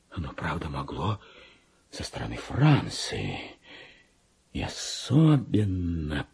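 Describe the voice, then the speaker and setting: Radio drama casting: deranged petty clerk with royal delusions; husky, theatrical, deliberate pacing with huge swings in pitch. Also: male voice, heavily acted. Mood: conspiratorial, suspicious. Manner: theatrical, volatile, swinging from hushed muttering to anguished outcry. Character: deluded, tormented madman clerk who believes himself king. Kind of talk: dramatic radio monologue reading of classic literature.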